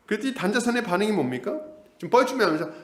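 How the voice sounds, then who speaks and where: A middle-aged male pastor preaching an expository sermon, animated and acting out the characters. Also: sits high, racing, echoey room. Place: church hall.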